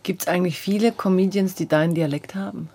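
A woman's voice: on the low side, fairly even intonation, quick pace, dark tone. A woman from Swabia with a slight Swabian accent, chatting casually and musing aloud as host. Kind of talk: casual conversation.

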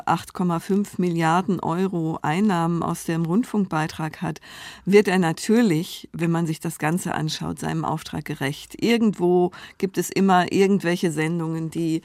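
A woman's voice: fairly low pitch, a little mellow, dry recording. Reflective woman guest in a dry studio. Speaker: media journalist, panel guest. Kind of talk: panel discussion, spontaneous answers.

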